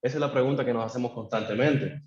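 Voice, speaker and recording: A man preaches a sermon, voicing a worshipper's pleading questions to God and calling the congregation to repeat after him. His medium-pitched voice rings through an echoey church. The recording is dull and low-fi. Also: fast talker, darkish tone. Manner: acts out a believer's pleading prayers to God; leads the congregation in call-and-response.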